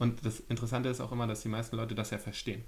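Delivered at a very fast pace, the voice is somewhat breathy with monotone, flat intonation. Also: man. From Berlin, Germany. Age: 20s. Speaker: podcaster. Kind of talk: interview conversation.

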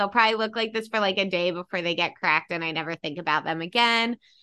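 Against a quiet background, a woman talks at a fairly quick pace with a Philadelphia accent. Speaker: podcast host. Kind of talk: casual chat. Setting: video call.

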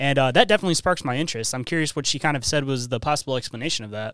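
With an American accent, a man speaks with ordinary pitch variation. The sound is dry and close, with no echo. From Michigan, US. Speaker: podcast host. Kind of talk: casual chat.

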